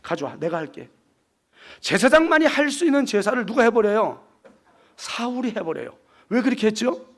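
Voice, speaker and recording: A man's voice: extremely high pitch, expressive, brisk, a bit bright. A male pastor in his fifties preaching an evening sermon, asking the congregation rhetorical questions and acting out quotes.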